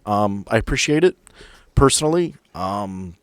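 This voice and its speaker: A man's voice: lowish voice, lively intonation, measured pace, clean tone, no room sound. A man talking casually as game master and host of a tabletop role-playing podcast.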